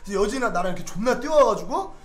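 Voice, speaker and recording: A young man in his twenties casually telling a story, animated and swearing freely, acting out the voices of the people in it. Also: sits high, rapid-fire. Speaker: streamer. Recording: roomy echo.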